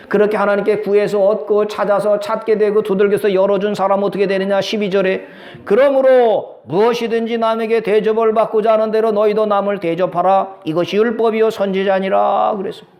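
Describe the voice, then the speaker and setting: A man's voice: high voice, fairly even intonation, fairly quick, a little mellow, reverberant. A middle-aged male pastor preaching a sermon, often asking the congregation questions and waiting for their answer. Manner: preaching with call-and-response questions.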